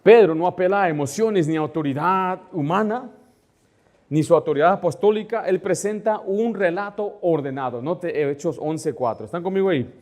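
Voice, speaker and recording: A male pastor preaching a conversational sermon, asking the congregation to follow along in the text and rising louder when he stresses a point. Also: sits high, moderate pace.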